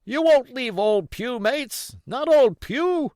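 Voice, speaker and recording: A man's voice: very high voice, animated, takes it slowly, a little mellow, dry recording, studio quality, pitched above the performer's own voice, heavily acted. A man voicing an old pirate who cries out desperately to his comrades in an audiobook. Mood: frantic pleading. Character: old male pirate, abandoned, frantic and pleading. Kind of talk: audiobook character voice.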